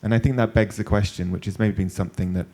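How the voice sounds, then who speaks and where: Deep mellow guy moderating a panel, thoughtful, kinda rambling. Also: fairly even intonation, fast. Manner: thoughtful, storytelling, loose phrasing. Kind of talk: panel discussion. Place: panel event.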